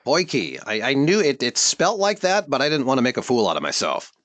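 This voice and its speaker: A man's voice: mid-range voice, wildly swooping pitch, brisk, fairly bright tone, dry recording. A man hosting a live webinar Q&A as a voiceover coach, friendly and upbeat.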